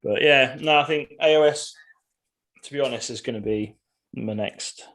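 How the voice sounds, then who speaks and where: A man's voice: mid-range voice, normal speed, fairly bright tone. Easygoing man chatting casually. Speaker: podcast co-host. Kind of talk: casual chat.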